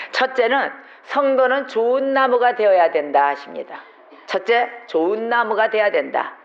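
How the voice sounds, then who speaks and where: A man preaches a Sunday sermon in a high, animated voice, keeping it conversational and firing off rhetorical questions. The recording is slightly muffled, as from a church sanctuary. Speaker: pastor.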